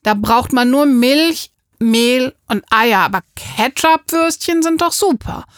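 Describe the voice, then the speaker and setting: A woman's voice: sits high, expressive, slow, clean tone, no echo, studio quality. A woman voicing a cheeky nine-year-old girl in a storybook reading, chatty and bargaining. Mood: coaxing.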